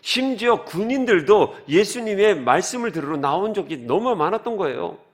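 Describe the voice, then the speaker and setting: A man's voice: sits high, animated, moderate pace. A man as pastor preaching a sermon, who asks the congregation questions and explains the words of the text.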